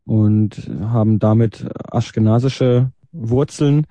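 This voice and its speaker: A man's voice: mid-range voice, takes it slowly, dark tone, no echo. A man in his early thirties from Germany, a radio interview guest who answers hesitantly with many fillers. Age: 30s.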